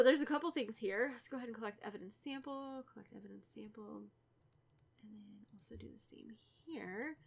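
A young woman with a cold, stuffy and a little raspy, chatting casually through a let's play and teasing the characters. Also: a little high. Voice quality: slightly raspy. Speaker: gaming YouTuber.

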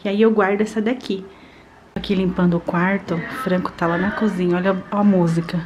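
A woman's voice: mid-range voice, fairly even intonation, fairly quick. A young Brazilian woman vlogging chores at home, speaking in a chatty, upbeat way straight to her viewers and recorded on a handheld camera mic. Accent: Brazilian Portuguese. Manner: chatty and upbeat, often addressing viewers directly. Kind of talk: casual home vlog, showing chores. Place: small apartment bedroom and bathroom indoors. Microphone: handheld wide-angle camera mic.

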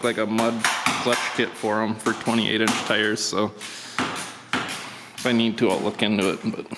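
A man's voice: mid-range voice, big-room sound, noisy background. A man hosting a casual DIY how-to walkthrough, laid-back and plain-spoken, explaining each step with frequent fillers. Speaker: channel host.

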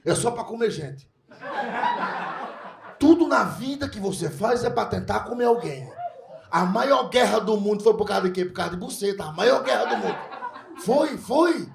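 High-voiced, gravelly comedian on stage. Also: male voice, moderate pace, noisy background. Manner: crude, animated storytelling with mock foreign voices. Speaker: stand-up comedian. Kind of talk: stand-up comedy set. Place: comedy club stage with a live audience. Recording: echoey room, loud crowd laughter.

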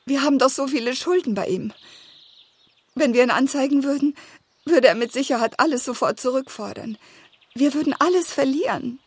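Anxious, breathy village wife. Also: female voice, high-pitched, normal speed, no echo. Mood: distressed. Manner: hesitant, pleading. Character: anxious, distressed village wife, loyal and timid. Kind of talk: German radio play acting.

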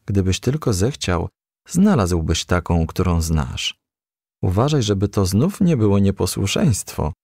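A man's voice: deep voice, very animated, a little slow, a little mellow, no echo, studio quality, exaggerated voice. A man voicing a practical female firefly who coaxes and admonishes in a storybook. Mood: coaxing. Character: female firefly confidante, coaxing, practical, firm.

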